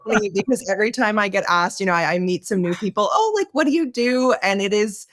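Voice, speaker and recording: A woman's voice: mid-range voice, lively intonation, fast. Canadian-raised woman on a podcast, chatty, lots of likes and laughs. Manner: chatty, laughs often, casual fillers. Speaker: podcast guest, tech entrepreneur. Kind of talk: podcast interview.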